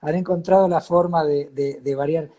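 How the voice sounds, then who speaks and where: Husky, halting Argentine man hosting. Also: fairly high pitch, fairly even intonation, warm tone. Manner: halting, repeats words as he searches for phrasing. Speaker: host of a talk series. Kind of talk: casual, reflective chat.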